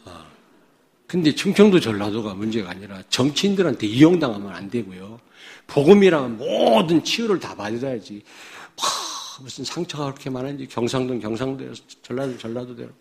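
A man from Chungcheong preaching a sermon, swinging between loud declarations and low asides to the congregation, with many rhetorical questions. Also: expressive, a little fast, slight background noise. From Chungcheong, South Korea. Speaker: pastor.

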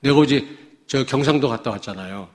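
A pastor from Chungcheong, South Korea, delivers a brisk sermon. He swings between loud declarations and quiet asides to the congregation, asking many rhetorical questions.

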